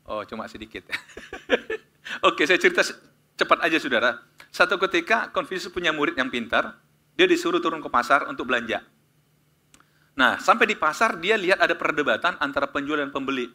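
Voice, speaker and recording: A man preaching a sermon to a congregation, telling a story with animated voices for its characters and asking the listeners questions. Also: a little high, fairly quick. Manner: animated, acts out story characters with sudden loud outbursts; addresses congregation directly, asks questions. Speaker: pastor.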